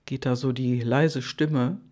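A coach with a mid-range, steady voice speaks slowly in a motivational monologue aimed straight at the listener. He repeats soft phrases, uses many fillers, and often corrects himself.

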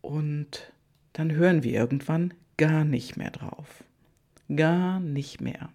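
A coach giving a motivational monologue straight to the listener, with repeated soft phrases, frequent fillers and self-corrections. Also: medium pitch, slow pace.

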